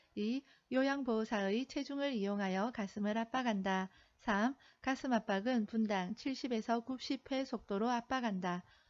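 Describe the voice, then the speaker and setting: Using a plain, everyday voice, a woman speaks at a fairly high pitch and a fairly slow pace, with ordinary pitch variation and very even loudness. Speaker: exam prep lecturer. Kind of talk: lecture.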